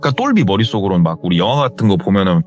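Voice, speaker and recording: A man's voice: low voice, huge pitch swings, racing. A man telling a horror story in a vivid, dramatic, casual spoken retelling. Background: faint music.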